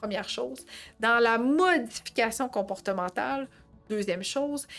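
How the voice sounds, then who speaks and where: With music in the background, a woman speaks in a Quebec accent. Her pace is fairly slow and her intonation lively. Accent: Québécois French. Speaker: dog trainer. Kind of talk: live stream talk. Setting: Facebook live. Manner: many filler hesitations.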